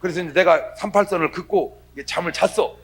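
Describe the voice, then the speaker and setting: A middle-aged male pastor giving a humorous revival sermon, telling stories with lively acted-out voices and a husky tone. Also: high-pitched, quick pace, slight background noise. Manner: animated storytelling, acts out quoted voices with dialect.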